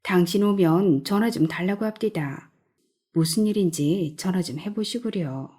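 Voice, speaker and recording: A woman's voice: fairly low pitch, moderate pace, dark tone, slightly rough. A woman voicing a cautious, nagging middle-aged wife in an audiobook.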